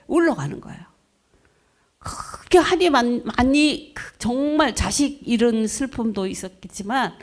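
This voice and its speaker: A middle-aged woman preacher telling her own testimony to a congregation, acting out quoted voices and asking the people questions. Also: fairly high pitch. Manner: lively storytelling, acts out quoted voices, asks the congregation questions. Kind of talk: testimony sermon.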